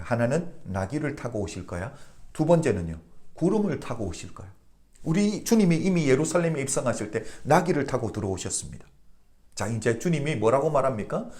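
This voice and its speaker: A man's voice: medium pitch, a little mellow. A male pastor from Korea giving a daily devotional sermon, asking the congregation questions and answering them himself.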